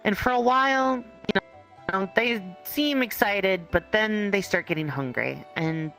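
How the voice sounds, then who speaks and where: A game master with a gravelly, mid-pitched voice narrates an improvised roleplay story. The telling is conversational and halting, addressed straight to the player. Faint music plays behind the voice. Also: sharp tone.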